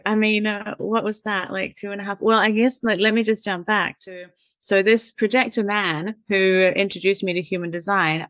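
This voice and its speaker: A woman's voice: medium pitch, a bit bright, no room sound. A woman, a guest chatting casually, rambling and laughing, with lots of fillers and the odd swear. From New Zealand. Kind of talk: casual conversational interview.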